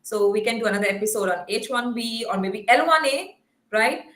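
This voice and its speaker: A woman's voice: on the high side, animated, brisk, a bit bright. A woman hosting a question-and-answer episode on a video call, reading viewer questions aloud and thanking her guest politely. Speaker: show host. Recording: roomy echo.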